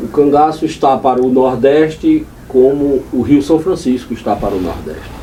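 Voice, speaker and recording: With noticeable background noise behind him, a man speaks in a fairly high voice. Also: ordinary pitch variation, moderate pace. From Brazil, Paraíba (Pocinhos). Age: 60s. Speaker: historian and author. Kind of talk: lecture. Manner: formal.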